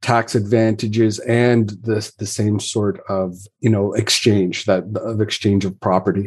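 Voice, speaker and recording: Against a quiet background, a man with a Canadian accent has an unremarkable speaking voice, fairly low in pitch, with fairly even intonation. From Canada. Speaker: real estate investor. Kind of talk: interview.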